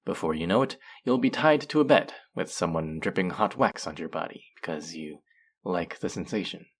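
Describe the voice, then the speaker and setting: A man's voice: low-pitched, expressive, normal speed, breathy edge. A man playing a teasing, sardonic, flirtatious male faerie in a scripted audio roleplay. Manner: sardonic, teasing, drawling with sighs.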